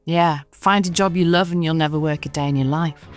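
Lower-voiced woman radio host. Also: steady tone, fairly quick, faint music behind. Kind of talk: radio interview.

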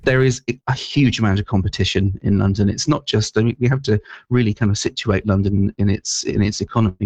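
Male researcher, low voice, thoughtful and hesitant, dull dry recording. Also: darkish tone, dry recording. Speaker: think tank researcher.

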